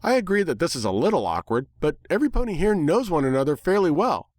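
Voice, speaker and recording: A man voicing a bookish, coy young female pony with a polite, measured manner in a story reading. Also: on the high side, big pitch swings, darkish tone, dry recording, studio quality, voice pushed up. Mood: suspicious.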